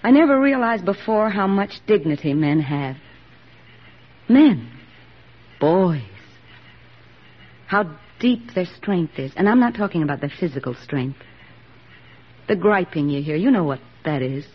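A woman's voice: lowish voice, lively intonation, a little slow, long pauses, slightly rough. A woman playing an earnest young army nurse in a 1940s radio drama, speaking with heartfelt sincerity. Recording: dull old radio broadcast recording.

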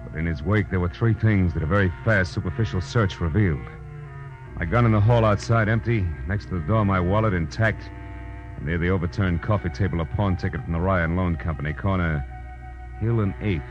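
An actor playing a tough, wry private detective in a 1940s radio drama, with a terse, wisecracking delivery. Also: male voice, deep voice, a little fast, music in the background, natural voice. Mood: wry, brisk. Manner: terse, wisecracking, deadpan narration. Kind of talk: 1940s radio acting, first-person narration. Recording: muffled old radio recording.

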